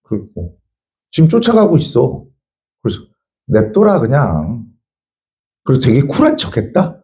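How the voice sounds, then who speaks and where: A man's voice: mid-range voice, a little slow. A male teacher in his thirties telling students a personal story, acting out both sides of the dialogue. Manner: animated, acts out both sides of a quarrel. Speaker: social studies teacher.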